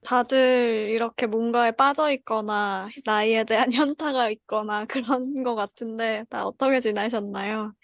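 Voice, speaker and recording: A woman's voice: a little high, steady tone, measured pace, hardly any pauses, no echo. A woman in her thirties hosting a casual group chat. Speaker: podcast host. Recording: music playing behind the talk. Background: background music.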